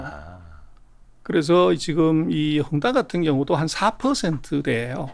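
A man's fairly high-pitched voice comes at a very slow pace. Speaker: economist, China economy researcher. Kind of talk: interview, expert analysis.

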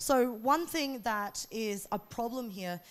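A woman speaks in a normal speaking voice, her fairly high pitch carried by lively intonation. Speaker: startup founder pitching a hiring platform. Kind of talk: elevator pitch. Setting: stage with live audience. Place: hall. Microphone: handheld.

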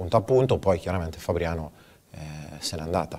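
A man speaks at a moderate pace. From Italy. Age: 30s. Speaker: basketball team manager, former player; guest. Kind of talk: TV sports talk show interview. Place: studio.

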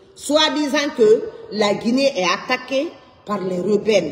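A woman's fairly slow speech with very wide pitch swings over noticeable background noise. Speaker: political commentator on video channel. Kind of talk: direct-to-camera political address. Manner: indignant, urgent.

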